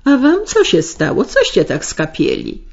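A woman voicing a loud, brash working-class woman visitor who talks in shrill exclamations, on a slightly muffled radio recording. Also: sing-song, measured pace, breathy edge, full character voice. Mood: alarmed.

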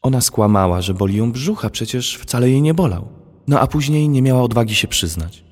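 A man's voice: mid-range voice, lively intonation, a little fast, darkish tone, slightly rough, pitched above the performer's own voice. A man reading a storybook, voicing a timid, guilty schoolgirl who talks hesitantly in a raised voice. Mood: earnest. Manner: hesitant, faltering. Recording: long hall reverb.

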